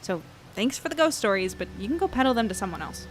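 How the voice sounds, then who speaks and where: A woman's voice: mid-range voice, big pitch swings, fast talker, a little hiss or hum, close to an everyday voice. A woman in her twenties playing an earnest young reporter in an audio drama, conversational and hesitant as she thinks aloud. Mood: indignant. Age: 20s. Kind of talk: audio drama, naturalistic monologue and dialogue.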